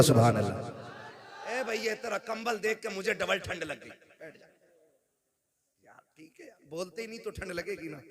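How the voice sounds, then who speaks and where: A man's voice: fairly high pitch, a little mellow. A man preaching at a religious gathering, joking with the crowd and leading their responses, then chanting a long lineage. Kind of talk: sermon with crowd call-and-response. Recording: crowd noise from a live gathering.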